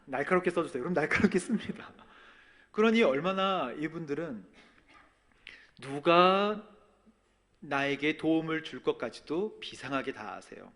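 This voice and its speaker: A man preaching a sermon as a pastor, telling a personal testimony and swinging between soft and loud. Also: on the high side, lively intonation, unhurried, long pauses. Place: church sanctuary.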